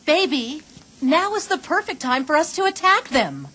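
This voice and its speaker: A woman's voice: high voice, sing-song, normal speed, bright, forceful tone, full character voice. A sultry warrior queen. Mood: teasing. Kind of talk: video game cutscene.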